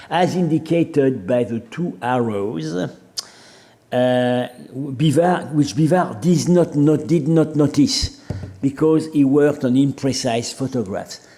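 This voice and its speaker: French-accented male professor, warm low-key tone, careful halting lecture delivery. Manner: measured, hesitant with fillers and restarts. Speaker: professor giving a seminar. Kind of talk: academic lecture reading quotations.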